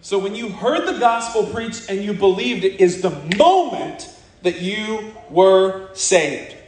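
American man, high-pitched fiery preacher, blunt and scornful, recorded with room echo. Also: animated, slow pace, darkish tone. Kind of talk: sermon.

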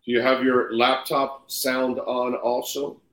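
A man's voice: mid-range voice, little pitch movement, takes it slowly, a bit bright. A man hosting a sports podcast in a casual, joking, teasing way, his voice echoing as if in a big room. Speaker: podcast host. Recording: echoey, reverberant room sound.

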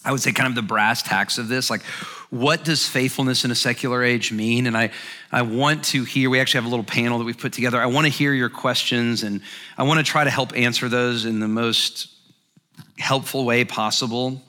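A man preaching a sermon as pastor, animated, acting out quoted voices and often repeating words as he goes. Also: mid-range voice, fairly quick, in a large hall. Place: church sanctuary.

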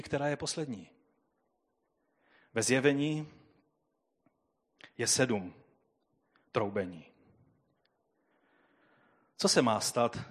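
A man preaching with a fairly high-pitched voice. He reads scripture aloud in a sermon, rising to loud, slowed proclamations and dropping to quiet, low remarks. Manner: swings between loud drawn-out proclamation and quiet low asides.

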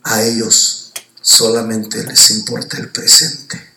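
A preacher putting on God's thundering voice. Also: male voice, fairly low pitch, completely flat delivery, slow pace, gravelly, sharp tone, a little hiss or hum, voice pushed down, heavily acted. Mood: solemn. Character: God's deep thundering voice from heaven. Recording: roomy church sound from a distant mic.

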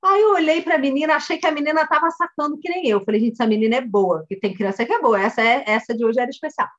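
A Brazilian woman with a high voice teaches as a family coach, retelling a session with animated storytelling. She acts out the dialogue and speaks straight to her listeners. The recording sounds dull and muffled. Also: fast.

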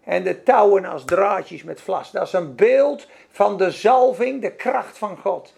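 A man's voice: high-pitched, a little slow, gravelly, darkish tone, slightly rough. A man teaching a Bible lesson, preaching emphatically and repeating key words for effect.

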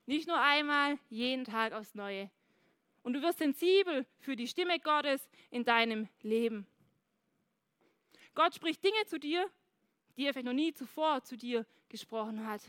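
A woman preaches a sermon at a church service, her voice high and bright. She talks lively and straight to her listeners, and the sound is dry and close with little room. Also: a little slow, clear, resonant tone, no room sound. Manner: lively, addresses the congregation directly.

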